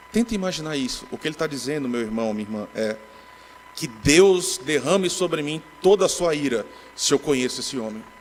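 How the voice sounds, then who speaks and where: Over noticeable background noise, a man speaks at a moderate pace with very wide swings in pitch. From Brazil, Northeast (Natal). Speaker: pastor. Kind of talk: sermon. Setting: church.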